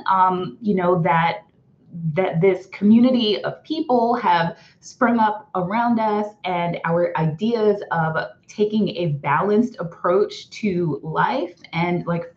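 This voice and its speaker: A woman's voice: medium pitch, slow. A young adult woman co-hosting a casual live-stream chat, upbeat and greeting viewers by name. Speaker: vlog co-host. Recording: roomy, slightly dull live-stream audio.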